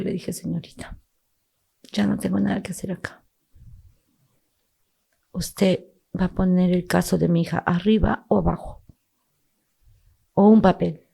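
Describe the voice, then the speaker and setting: A woman's voice: mid-range voice, creaky, mellow, husky. A middle-aged woman from Peru, a grieving mother, gives an emotional testimony as a podcast guest, reenacting what officials told her. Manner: emotional, quotes officials in tense voices.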